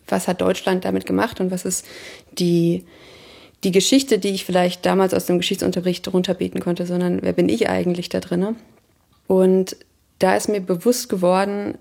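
A woman in her thirties from Germany, speaking thoughtfully in an interview, pausing and searching for words. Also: on the low side, vocal fry, dark tone, breathy edge. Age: 30s. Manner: thoughtful, searching, pauses with hesitations. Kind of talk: reflective personal interview.

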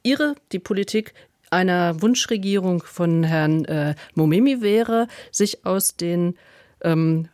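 Female moderator, probing, steers the talk, lowish voice, dry. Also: slow, a little mellow, no room sound. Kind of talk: moderating a debate.

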